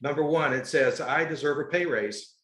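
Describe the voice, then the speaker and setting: A man's voice: a little high, normal speed, roomy sound, crowd noise. A man moderating a webinar, chatting casually with dry jokes. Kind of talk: casual chat.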